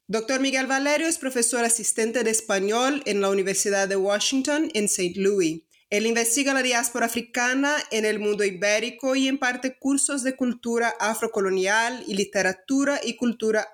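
Brazilian woman hosting a book podcast. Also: on the high side. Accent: Brazilian Portuguese. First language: Portuguese. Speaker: podcast host. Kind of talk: academic book interview.

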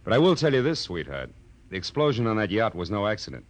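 An actor playing a wry, slangy, hard-boiled private detective in a 1940s radio drama. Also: male voice, lowish voice, sing-song, fast. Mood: probing. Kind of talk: 1940s radio detective acting and first-person narration. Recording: old radio drama with music.

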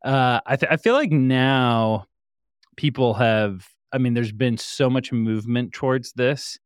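A man hosts a casual interview show and asks upbeat, friendly questions with easy fillers. His pitch is middling. The recording is dry and close. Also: unhurried, smooth, dry recording. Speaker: show host.

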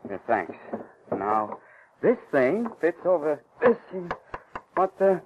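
A man's voice: fairly high pitch, very animated, takes it slowly, noisy background. A man playing a fumbling, defensive husband in old-time radio style, strained and exasperated. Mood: flustered, exasperated. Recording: muffled old radio recording, music.

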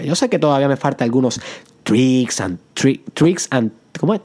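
A man hosting a motivational podcast, sprinkling English phrases into his talk and playing his voice between loud and soft. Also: a little high. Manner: plays with loud and soft delivery for effect. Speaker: podcast host.

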